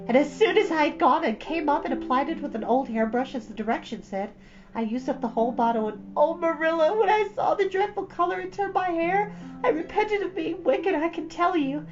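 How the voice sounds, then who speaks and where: A young girl from a storybook, pitched very high. She is earnest, wretched and given to dramatic pleading. The sound is a little muffled, with music clearly playing behind her. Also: fairly quick. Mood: tearful, wretched.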